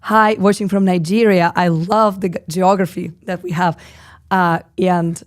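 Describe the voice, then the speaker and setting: A hoarse woman in her thirties with a husky, slightly low voice hosts a live stream. She talks in a chatty, loose way, reads comments aloud and pads her sentences with fillers. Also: steady tone, unhurried. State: hoarse, lost voice. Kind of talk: casual live stream chat.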